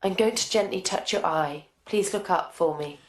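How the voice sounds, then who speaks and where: A woman's voice: on the low side, moderate pace. A woman acting as a clinician, giving polite, simple step-by-step instructions to a patient. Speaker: clinician demonstrating an examination. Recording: echoey room.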